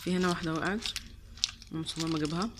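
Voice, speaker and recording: A woman with an Egyptian Arabic accent tastes sweets on her vlog, gushing, repeating words for emphasis, and mixing in English and French. Her voice is deep and steady but she talks at a racing pace, with heavy background noise behind her.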